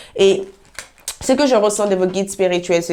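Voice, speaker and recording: With ordinary pitch variation, a woman speaks at medium pitch. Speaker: tarot card reader. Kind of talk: tarot reading.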